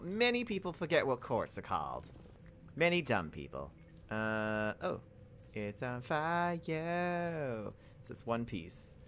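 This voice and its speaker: A young man giving casual let's-play commentary while playing, rambling and self-mocking, quick to laugh and exclaim. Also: on the low side, a bit bright, slight background noise. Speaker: gaming YouTuber.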